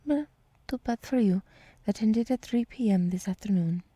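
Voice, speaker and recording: A woman voicing a gentle, soothing deer woman who guides meditation in a whispered ASMR roleplay, speaking softly and reassuringly close to the microphone. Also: mid-range voice, no room sound, close to an everyday voice. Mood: gently teasing. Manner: slow, soft, breathy, reassuring. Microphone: close microphone, dry.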